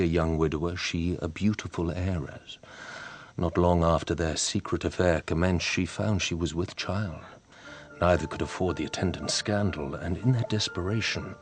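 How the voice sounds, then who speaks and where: An actor playing a suave, mysterious wealthy count who speaks in a smooth, teasing, measured way. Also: male voice, low voice, fairly even intonation, soft background music, natural voice. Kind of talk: radio drama acting.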